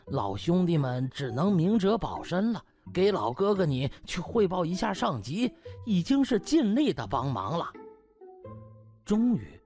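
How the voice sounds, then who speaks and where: A man's voice: sits high, sing-song, unhurried, a little mellow. Casting: male audiobook narrator, comic and theatrical, extremely varied intonation, music bed. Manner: theatrical, uses sound words and exclamatory particles. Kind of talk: comic dramatized storytelling.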